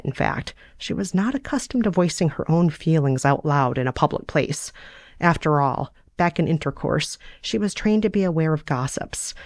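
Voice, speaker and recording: A woman, hosting a podcast in a relaxed, wry way, chatting and reading fiction aloud. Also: sits low, dry recording, studio quality. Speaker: podcast host and storyteller.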